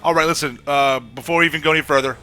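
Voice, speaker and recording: A man's voice: on the high side, very fast, sharp tone, a little hiss or hum. A young man with a stuffy head-cold voice, giving a blunt, casual opinion monologue to his gaming audience, checking in with "okay?" and "right?". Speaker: gaming YouTuber.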